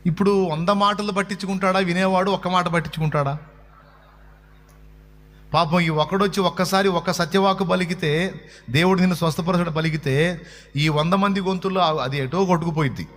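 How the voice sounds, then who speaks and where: Conversational male pastor, slightly high voice. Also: fairly even intonation, fairly quick, long pauses, a bit bright, in a large hall. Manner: conversational, asks the audience questions. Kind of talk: sermon.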